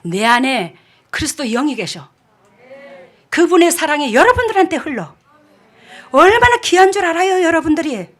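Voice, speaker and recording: A woman pastor preaching a sermon, scolding and emphatic, jumping between loud outbursts and quiet asides. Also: high-pitched, very animated, normal speed, long pauses.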